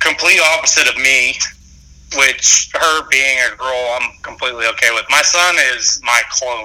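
Someone with an American accent talks at a fairly slow pace over noticeable background noise. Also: man. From Texas and Colorado. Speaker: duck call maker. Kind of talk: casual chat.

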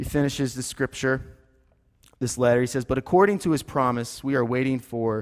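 This is a man with a medium-pitched voice. He talks at a moderate pace. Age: 30s. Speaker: pastor. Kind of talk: sermon.

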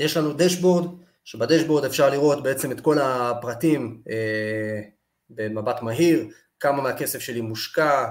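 The clip features an ordinary speaking voice. Pitch variation is ordinary. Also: man. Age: 30s. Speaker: startup CEO and real estate investor. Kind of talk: interview.

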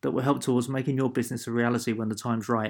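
A man with an Essex accent speaks very fast at a medium pitch, recorded very cleanly against a silent background. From Essex, England. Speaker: podcast host and author. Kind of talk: scripted podcast introduction.

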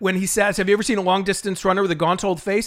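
A man speaks in a high voice. His tone is animated. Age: 50s. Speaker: podcast host and fitness coach. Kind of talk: angry rant. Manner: animated, exasperated, indignant.

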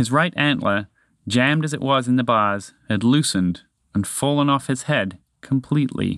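The background stays quiet. The reading voice sounds natural.

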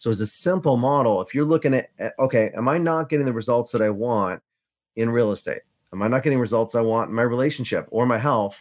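A normal speaking voice from a man with an American accent, medium pitch and ordinary pitch variation, in a very clean recording with a silent background. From upstate New York. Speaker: communication coach. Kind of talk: interview.

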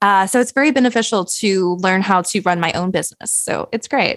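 A woman speaks in an ordinary speaking voice at medium pitch, with ordinary pitch variation and a fairly quick pace. The recording is very clean with a silent background, dry and close with no echo. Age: 30s. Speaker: voice actor and virtual assistant. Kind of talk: casual chat.

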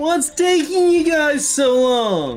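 A put-on character voice, high-pitched and nasal, comes through over light background noise. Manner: annoying, teasing.

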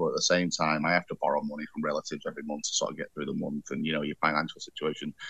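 This man talks with a Manchester accent. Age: 30s. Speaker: band singer. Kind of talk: casual interview.

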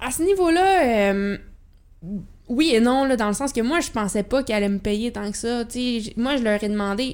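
An unremarkable speaking voice carries lively intonation. The pace is moderate. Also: woman, fairly high pitch for a woman. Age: 20s. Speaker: pro cyclocross racer. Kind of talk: casual interview chat.

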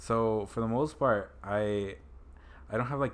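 A man with a Spanish accent speaks at a moderate pace in a fairly low voice with very wide pitch swings, on a very clean recording with a silent background. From Mexico, raised in Goshen, Indiana. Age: 20s. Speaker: car detailing and restoration business owner. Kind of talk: casual interview conversation. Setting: studio.

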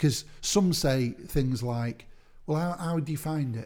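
On a very clean recording with a silent background, a man speaks at a moderate pace in a somewhat breathy, dark, mellow tone. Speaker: podcast host. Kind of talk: casual interview chat.

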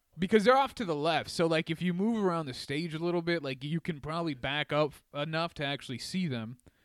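At a very fast pace and with hardly any pauses, a man with a fairly high voice talks with ordinary pitch variation. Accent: American. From Bakersfield, California. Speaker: stand-up comedian. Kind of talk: casual chat.

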